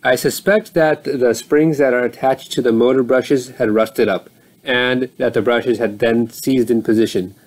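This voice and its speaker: Man calmly narrating a tool repair. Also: medium pitch, low-quality recording. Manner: plain explanatory with fillers. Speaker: repair channel host.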